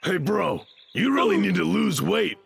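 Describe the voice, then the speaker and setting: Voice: medium pitch, lively intonation, unhurried, gravelly, heavy background noise. An actor voicing a bossy, sensible cartoon bear, an exasperated big brother who scolds and urges. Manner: scolding, urgent, exclaiming. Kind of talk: cartoon acting. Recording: loud music under the voice.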